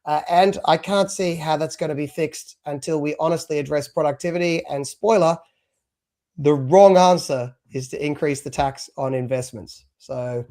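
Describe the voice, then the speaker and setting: A man's voice: on the high side, moderate pace, warm tone. Chatty man hosting a live podcast. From abroad, moved to Australia at three. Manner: chatty, rambling with many fillers. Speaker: podcast co-host. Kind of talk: casual live stream chat.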